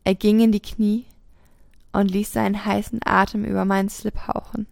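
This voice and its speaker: A woman narrates a first-person erotic story in a steady reading voice. Her tone carries a light gravelly fry at mid pitch. The sound is close and dry, with no room around it. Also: moderate pace, no room sound. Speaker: podcast host reading a story.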